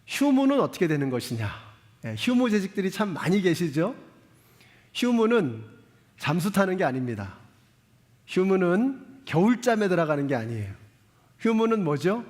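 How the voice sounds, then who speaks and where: Lively exhorting pastor in echoing church. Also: male voice, high-pitched. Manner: addresses the congregation directly with frequent questions and "예"; earnest, exhorting. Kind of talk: sermon. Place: church sanctuary. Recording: long church reverb.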